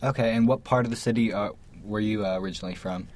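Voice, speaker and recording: A man's voice: on the low side, fast talker, a little mellow. A man hosting an interview in a casual, informal way, feeling his way through questions. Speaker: interview host.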